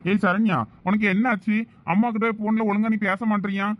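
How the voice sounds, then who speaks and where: A man's voice: high voice, level tone, dry recording, dull audio, close to an everyday voice. A man with a Thoothukudi Tamil accent playing a protective young village man who teases and lectures his family. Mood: concerned. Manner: brisk, teasing, lecturing.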